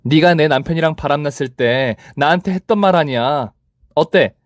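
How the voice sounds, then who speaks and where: A man's voice: a little high, sing-song, normal speed, no echo, studio quality. A man voicing a tough, vengeful young woman who mocks with crude insults. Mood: gloating. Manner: taunting, crude.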